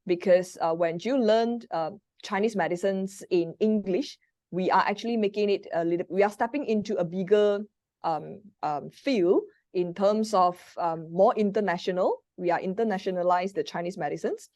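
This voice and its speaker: A woman's voice: medium pitch, moderate pace, a little mellow, no room sound. A woman with a Malaysian accent, Mandarin as her first language, hosting a live question-and-answer talk with frequent hesitant fillers. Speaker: moderator and practitioner.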